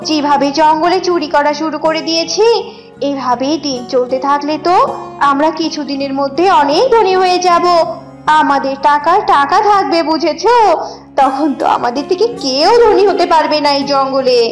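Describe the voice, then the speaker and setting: A woman's voice: sits high, moderate pace, roomy sound, soft background music, natural voice. A woman voicing a bossy, greedy fox wife in a cartoon, scheming and coaxing. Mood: scheming, smug. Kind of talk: cartoon character voice.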